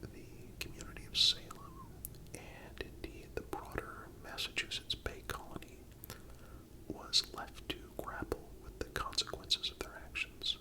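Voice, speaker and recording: A man narrates in an ASMR style, entirely in a whisper. His delivery is slow and deliberate, with a calm, measured manner throughout. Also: rough recording.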